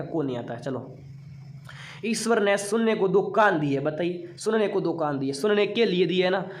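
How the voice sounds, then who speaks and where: A man teaching an online exam-prep class in a playful, chatty way, teasing his students. He mentions he has been unwell. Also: a little high.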